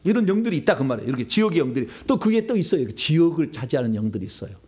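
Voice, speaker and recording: A male pastor preaching a sermon, swinging between loud outbursts and hushed asides. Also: on the high side, very animated, rapid-fire, breathy edge.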